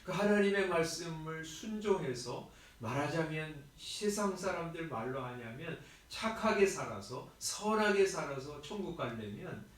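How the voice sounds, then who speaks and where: Korean pastor preaching in an echoey church. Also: male voice, a little high, expressive, measured pace, hardly any pauses. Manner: conversational preaching with fillers and rhetorical questions. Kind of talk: early morning sermon. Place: church sanctuary. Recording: very echoey church hall, mic at a distance.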